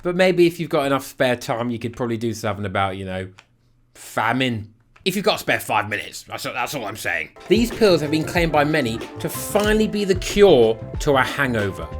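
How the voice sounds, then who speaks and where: A man's voice: mid-range voice, very animated, a little fast, soft background music. A young British man talking casually in a vlog, with a dry, tongue-in-cheek, sweary way of speaking. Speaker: vlogger. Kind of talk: casual first-person vlog to camera.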